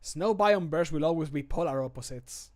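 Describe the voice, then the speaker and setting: Game role: cocky older male adventurer, voiced by a man, punning, lightly taunting, higher-pitched. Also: normal speed, darkish tone, natural voice. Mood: dry, punning. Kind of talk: game voice line takes.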